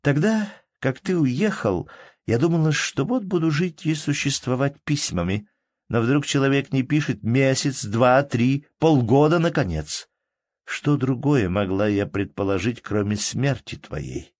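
A man voicing a young woman who is loving, lively and playfully commanding, in an audiobook reading. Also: mid-range voice, a little slow, dry recording, clean studio sound, pitched above the performer's own voice. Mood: reproachful.

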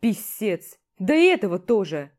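A woman's voice: medium pitch, very animated, unhurried. A woman reading an audiobook voices a furious, sarcastic male army commander who barks orders. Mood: yelling. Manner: barking orders, yelling.

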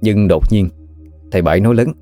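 A man narrating a ghost story in a steady, even storytelling manner. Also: on the low side, fairly quick, no room sound, soft background music.

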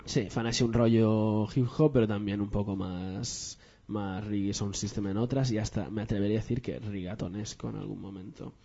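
A man's voice: fairly low pitch, steady tone, moderate pace, creaky, hardly any pauses, warm tone, breathy edge. A man with a Catalan accent hosting a radio show in a loose, chatty way with plenty of fillers. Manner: loose and chatty, switches between Catalan and Spanish, many fillers. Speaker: radio host. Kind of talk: casual radio chat. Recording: dull lo-fi radio recording.

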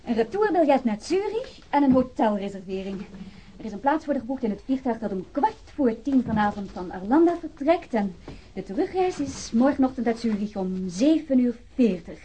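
An actress playing a tough, sardonic vice squad policewoman with a husky voice in a radio crime drama. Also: fairly high pitch, sing-song, moderate pace, warm tone, a little hiss or hum, rough recording. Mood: businesslike. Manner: sardonic, unyielding.

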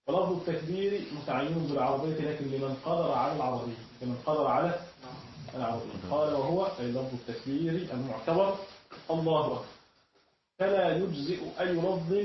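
A man teaching a classroom lesson, often pausing mid-sentence so his students can finish his words. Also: fairly high pitch, a little hiss or hum. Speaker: teacher of Islamic jurisprudence. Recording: echoey, distant, dull room recording.

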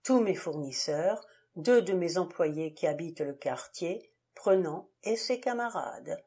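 A woman reading a novel aloud as an audiobook, calm and measured, with sudden lively bursts for the dialogue. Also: fairly low pitch, husky. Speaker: audiobook reader. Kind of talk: audiobook narration.

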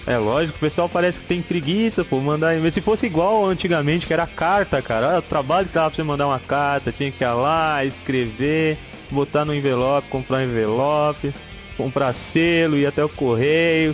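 A man's voice: a little high, normal speed. A young Brazilian man with a Brazilian Portuguese accent, co-hosting and editing a podcast in laid-back, slangy chat. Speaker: podcast co-host and editor. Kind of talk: casual chat. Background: faint guitar music.

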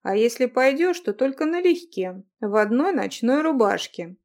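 A woman voicing a brash, headstrong young man who speaks loudly and commandingly. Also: on the high side, big pitch swings, moderate pace. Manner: loud, commanding, cocky.

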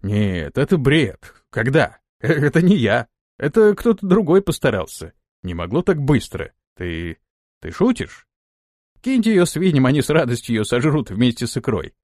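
A man's voice: mid-range voice, big pitch swings, normal speed, a little mellow, no room sound, studio quality. A man voicing a brash, hot-tempered young lord in an audiobook, given to indignant outbursts.

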